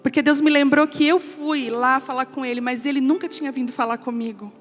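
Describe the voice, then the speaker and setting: Woman, pastor, testimony sermon, emotional storytelling, high voice, reverberant church hall. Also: steady tone, a little fast. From Brazil. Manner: emotional storytelling, quoting family in a softer voice. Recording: long hall reverb with soft music.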